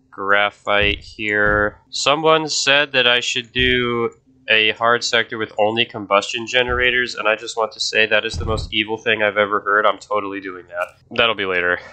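A man's voice: on the low side, pushed and bright, clear, resonant tone. A young man with a stuffy, nasal voice from a cold, chatting casually to viewers while playing a game. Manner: chatty, easily distracted, talks to viewers. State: sick, stuffy nose. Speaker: gaming video host. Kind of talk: casual gameplay commentary.

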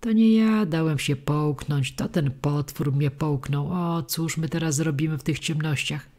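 A woman's voice: sits low, measured pace, mellow. A woman voicing a frightened, tearful wooden puppet boy who pleads and frets in a storybook reading. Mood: distressed. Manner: panicky, pleading.

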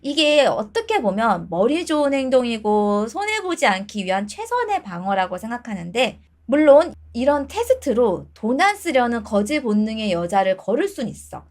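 A woman's voice: a little high, sing-song, moderate pace, hardly any pauses, darkish tone. A woman in her thirties giving blunt dating advice to her viewers in casual talk, switching between polite and informal speech.

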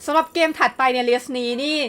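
A woman's voice: high-pitched, steady tone, fast, heavy background noise. A woman hosting a video list in an upbeat scripted narration, addressing viewers in a polite, friendly way. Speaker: video host presenting a game list. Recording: music behind the voice. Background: background music.

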